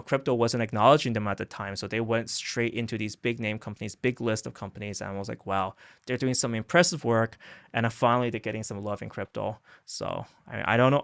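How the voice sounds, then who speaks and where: A man's voice: fairly low pitch, creaky, a bit bright, smooth, no room sound. A man hosting a crypto news show, talking casually and rambling with lots of fillers and "right?" tags. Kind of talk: casual unscripted commentary.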